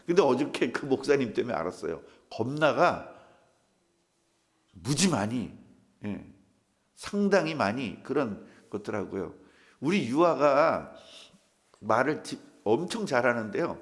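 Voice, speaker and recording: Older man, pastor, church sermon, gravelly voice, swooping pitch, funny stories. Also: sing-song, measured pace, long pauses. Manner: humorous storytelling, acts out quoted voices.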